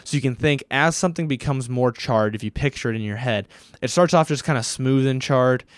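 A man's voice: mid-range voice, brisk, clear, resonant tone, dry recording. Casual man hosting a podcast. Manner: casual, chatty, thinking aloud with fillers. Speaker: podcast host. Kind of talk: solo Q&A podcast.

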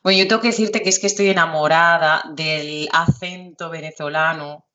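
A woman's voice: sits low, steady tone, normal speed, pushed and bright, muffled recording, slight background noise. A woman hosting a podcast interview, asking questions in an enthusiastic way. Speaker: podcast host.

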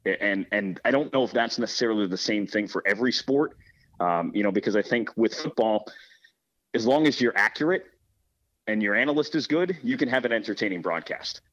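Male sports broadcaster, low register, earnest and explanatory interview delivery, slightly dull recording. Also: animated, a little fast, fairly bright tone. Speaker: hockey play-by-play broadcaster being interviewed. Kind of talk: conversational interview answers.

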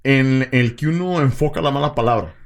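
A man co-hosts a laid-back chat at a middle pitch. He explains his points at an easy pace, filling the gaps with hesitant ums. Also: a little fast. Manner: relaxed, explanatory, hesitant fillers. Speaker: podcast co-host. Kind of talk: casual chat.

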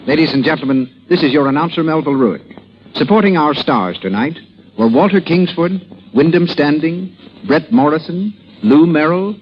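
Man announcing on an old radio show. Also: on the high side. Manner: crisp, measured delivery of credits. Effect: old 1930s radio broadcast sound. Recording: muffled old radio broadcast recording.

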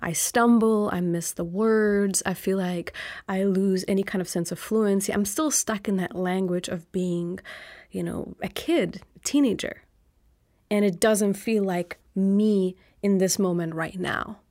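A woman's voice: medium pitch, fairly even intonation, unhurried, a little mellow, no room sound. Young woman, native Lithuanian speaker, reflective interview guest; hesitant, searching delivery in a dry room. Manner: thoughtful, many ums and uhs, often adds "right?". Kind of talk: reflective conversational answer.

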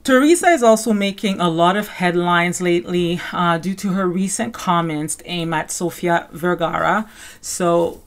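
A woman podcast host speaks in a fairly low voice with a Caribbean French accent. Her delivery is casual celebrity gossip commentary. She talks conversationally, addressing listeners directly and checking in with them as she goes. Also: moderate pace.

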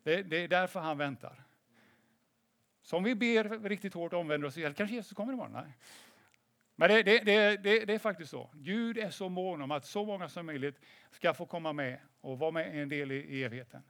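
A man preaches to his congregation in a chatty, conversational way, often checking in with "eller hur?" and dropping in English phrases. His voice sits a little high, and the recording is close and dry with no room echo. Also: creaky, a bit bright. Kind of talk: sermon.

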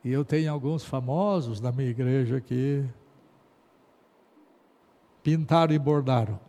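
A middle-aged man with a Brazilian Portuguese accent preaching a sermon as a pastor, emphatic and exhorting, swinging between loud stresses and quiet asides. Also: mid-range voice, measured pace. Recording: long hall reverb.

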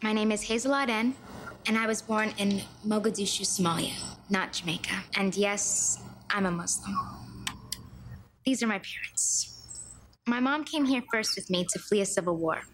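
A woman's voice: medium pitch, moderate pace, a bit bright, slight background noise, close to an everyday voice. An actress playing an earnest, confessional teenage Somali Muslim girl in a school TV drama. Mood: sincere, resolute. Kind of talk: scripted TV drama acting. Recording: music under TV drama dialogue.

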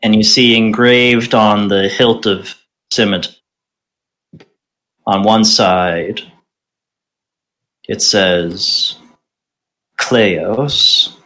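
A man narrating as game master of a tabletop game, slow and deliberate. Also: fairly low pitch, steady tone, sharp tone.

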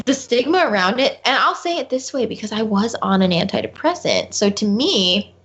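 Chatty young woman with a lively voice. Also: on the high side, muffled recording. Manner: very talkative, laughs often, quick asides. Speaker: podcast co-host. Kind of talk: casual chat.

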